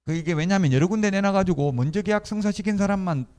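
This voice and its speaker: Man, middle-aged, real estate law lecture, conversational, personal anecdotes, somewhat high, warm dark tone. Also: fast talker, smooth. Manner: conversational, asks the class questions and answers them himself; tells personal anecdotes from his own brokerage work. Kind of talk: classroom lecture.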